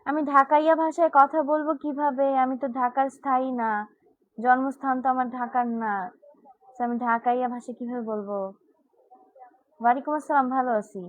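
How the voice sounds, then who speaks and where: A woman's voice: sits high, fairly even intonation, brisk, long pauses, no echo, dull audio. A teenage girl from Bangladesh hosting a live stream, chatting casually and answering viewer comments one by one. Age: teens.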